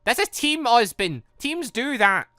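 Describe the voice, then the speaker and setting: An excitable, rambling gaming host commentating on a visual novel while reading it aloud. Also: mid-range voice, a little slow, dry recording.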